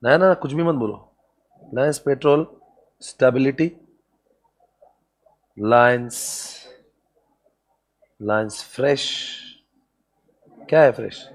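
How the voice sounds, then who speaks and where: A man's voice: mid-range voice, takes it slowly, pauses often. A man giving a classroom lecture on business strategy to students, playful and joking, often breaking into laughter. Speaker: commerce exam lecturer.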